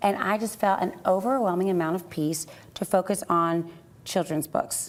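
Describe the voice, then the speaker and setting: A woman at medium pitch speaks in a Southern Alabama accent. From North Alabama. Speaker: children's book author. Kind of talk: TV news interview. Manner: cheerful.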